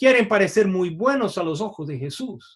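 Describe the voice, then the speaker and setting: A man with a Portuguese accent and a high pitch speaks at a fairly slow pace, his pitch swinging very widely against a quiet background. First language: Portuguese (speaking Spanish). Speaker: pastor. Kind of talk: sermon.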